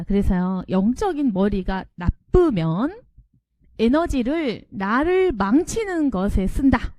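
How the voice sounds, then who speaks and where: A middle-aged woman pastor preaches with a high, lively voice that swoops up and down. She keeps asking the congregation questions and slips into little acted-out voices of grumbling people. The sound is close and dry, with no room ring. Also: no echo. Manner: animated preaching, acts out quarrelsome inner voices, asks the congregation questions. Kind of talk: sermon.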